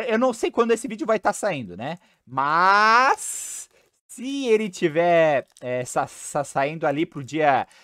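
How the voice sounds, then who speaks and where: Young guy on a headset, voice getting hoarse, excitable and repeats stuff, dry close sound. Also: fairly high pitch, no room sound. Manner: chatty, excitable, repeats himself. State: losing his voice. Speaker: card-opening channel host. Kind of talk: casual unboxing chat. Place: small room at home, indoors.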